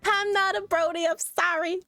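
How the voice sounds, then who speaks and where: A bubbly young woman with a high voice chats on a livestream, bouncing between jokes and laughter with animated energy. Her voice is dry and close, and faint music plays underneath. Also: normal speed, no echo. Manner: playful, laughs often, jumpy and animated. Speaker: streamer. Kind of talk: casual livestream chat, reacting to posts.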